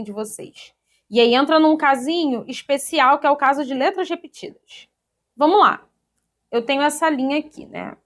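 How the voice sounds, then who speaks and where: A Brazilian woman teaching an online grammar lesson in a lively, chatty way, often checking in with her students. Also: sits high. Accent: Brazilian Portuguese. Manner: lively, chatty, addresses students as "gente", ends points with "tá?".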